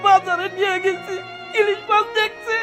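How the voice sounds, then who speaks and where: A woman acting a poor father who gently coaxes his son. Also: very high voice, flat delivery, normal speed. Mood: worried pleading. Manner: patient, repetitive coaxing. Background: background music.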